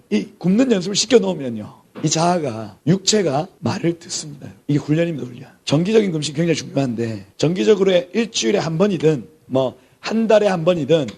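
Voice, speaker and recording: A man's voice: high voice, creaky, a little mellow, slightly rough. A middle-aged man, a pastor giving a sermon-style lecture, emphatic, repeating key words and dropping to near-whispers for emphasis. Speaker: pastor teaching a theology class.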